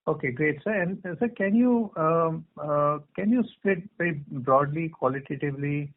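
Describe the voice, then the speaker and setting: A man's voice: fairly high pitch, moderate pace. A man with an Indian accent asking polite, tentatively phrased questions as a financial analyst on a conference call. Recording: narrow, muffled phone line.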